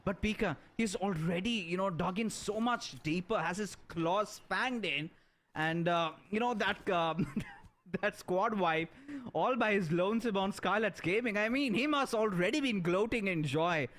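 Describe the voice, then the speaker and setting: A man giving excited play-by-play esports commentary as a caster, with dramatic, emphatic delivery. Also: sits high, measured pace. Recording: clear background noise, game gunfire. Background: video game gunfire.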